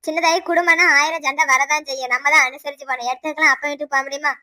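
Cartoon: bossy older village woman neighbor, Tirunelveli accent, very rapid, sharp lecturing delivery, voiced by a performer. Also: sits high, fairly even intonation. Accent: Tirunelveli Tamil. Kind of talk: cartoon voice acting.

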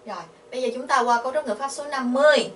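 A Vietnamese-accented woman explains Korean grammar in a high-pitched, slightly bright voice. She patiently asks the class questions and repeats syllables slowly. The recording is echoey and distant, with faint hiss in the background.

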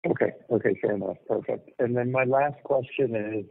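A man asking careful, deliberately phrased questions as a financial analyst on a formal earnings call. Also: medium pitch, creaky. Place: telephone handset on conference call. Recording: muffled, narrow phone line.

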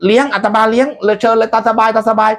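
A man voicing a kindly, cheerful male monk in a told story, exclaiming with hearty, drawn-out words. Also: high voice, fairly even intonation, a bit bright, pitched above the performer's own voice. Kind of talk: storytelling role-play.

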